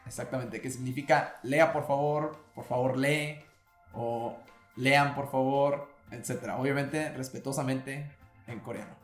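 A man's voice: medium pitch, steady tone, a little slow, soft background music. Echoey male Spanish-speaking language teacher. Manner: explains patiently, prompts co-host with questions. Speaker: podcast co-host, Korean teacher. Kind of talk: casual language lesson.

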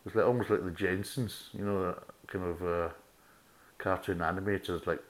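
A man's voice: low-pitched, fairly even intonation, moderate pace. A middle-aged Scottish man hosting a beer review podcast, chatty and swearing freely as he talks. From Scotland. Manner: chatty, swears freely, laughs at own jokes. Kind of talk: casual chat.

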